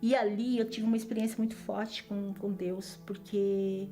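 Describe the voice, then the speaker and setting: A woman's voice: medium pitch, little pitch movement, normal speed, warm tone, soft background music. A middle-aged Brazilian woman giving an earnest, emotional religious testimony, often repeating phrases for emphasis. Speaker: church member giving testimony.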